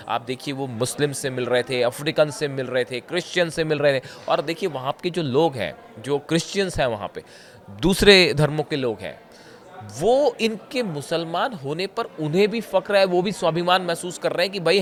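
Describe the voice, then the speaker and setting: A hoarse man giving conversational news commentary straight to his viewers, pausing often and pointing things out as he explains. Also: a little high, a bit bright. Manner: conversational, often says "dekhiye", frequent filler pauses.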